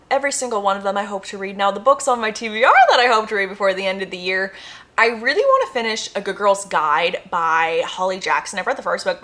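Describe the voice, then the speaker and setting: A woman's voice: medium pitch, a bit bright. A young American woman chatting casually and enthusiastically to her viewers, gushing and emphatic, repeating phrases for effect. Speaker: book reviewer vlogger.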